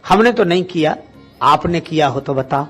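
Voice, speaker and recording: A man with a high voice delivers a Hindu devotional sermon in a storyteller's style. He asks rhetorical questions, dramatizes dialogue and recites lines of scripture. Music plays faintly behind him. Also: lively intonation, moderate pace, a bit bright. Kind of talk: devotional discourse retelling Ramayana episodes.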